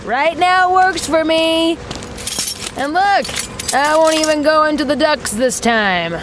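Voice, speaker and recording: A self-assured genius mechanic in a sci-fi audio drama. She takes her time, wry and casually sweary, as if logging her own thoughts. A clear noisy rumble sits behind her voice. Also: slow. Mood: defensive, wry. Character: brash, self-assured young genius woman mechanic building a rocket. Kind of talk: audio drama monologue as spoken recording.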